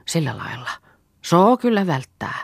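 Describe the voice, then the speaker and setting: Woman reading as a wry sharp-tongued farm girl. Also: on the low side, sing-song, gravelly, slightly rough, no room sound, clean studio sound, pitched above the performer's own voice, full character voice.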